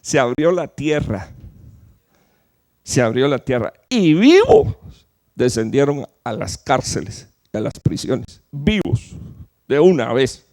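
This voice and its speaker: A man preaching a sermon to his church, emphatic, with rhetorical questions and sudden loud peaks followed by low, quiet drops. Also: huge pitch swings, slow. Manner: fillers and restarts while explaining. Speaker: pastor.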